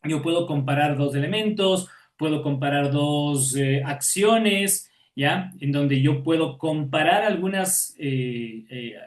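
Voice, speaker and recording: A man's voice: a little high, slow pace, few pauses, reverberant. A man teaching an online class, patiently explaining and checking in with his students after every point.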